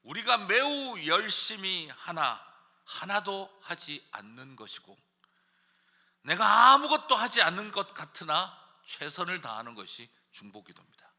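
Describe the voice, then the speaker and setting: A man preaching a dawn sermon as pastor, moving from soft musing to loud pleading shouts and asking the congregation rhetorical questions. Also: high-pitched, very animated, unhurried, big-room sound. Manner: swings from quiet musing to loud impassioned shouting. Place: church sanctuary.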